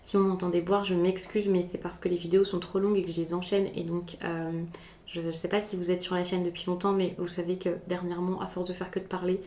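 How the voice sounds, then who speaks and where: Woman doing a tarot reading, chatty and halting, lots of uh's, roomy echo. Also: on the low side, level tone, darkish tone. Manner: chatty, many hesitations and restarts. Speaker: tarot reader. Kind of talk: spontaneous tarot reading to camera.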